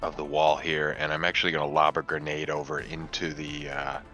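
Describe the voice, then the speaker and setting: A man's voice: rumbling low, completely flat delivery, brisk, bright, forceful tone, soft background music. A man playing a tabletop roleplaying game, talking casually as one of the players.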